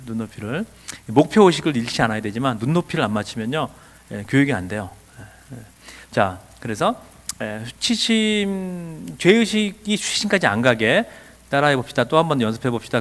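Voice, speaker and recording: A middle-aged man lecturing at a church teacher training, asking rhetorical questions and acting out short bits of dialogue. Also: medium pitch. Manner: asks rhetorical questions, acts out quoted dialogue. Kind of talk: lively seminar lecture.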